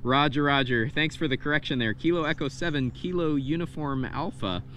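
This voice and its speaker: A man's voice: a little high, brisk. A man in his thirties chatting casually as an amateur radio operator, with an easy, friendly manner. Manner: relaxed, friendly, uses phonetic spelling. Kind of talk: casual radio contact chat. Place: front yard, outdoors. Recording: outdoor recording with clear background noise.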